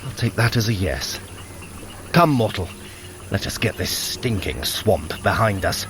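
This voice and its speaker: An actor playing a sardonic, long-suffering trickster god in an audio drama, with withering sarcasm and formal, theatrical wording. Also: male voice, on the low side, expressive, a little slow, a bit bright, slight background noise. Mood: dry sarcasm. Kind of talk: audio drama fitness adventure.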